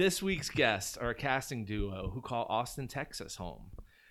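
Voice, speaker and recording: A man's mid-pitched voice with vocal fry, lively intonation and a moderate pace, on a very clean recording with a silent background. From New Orleans, Louisiana. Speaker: podcast host, casting director. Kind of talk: casual interview chat; show intro. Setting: on the road, guests' space.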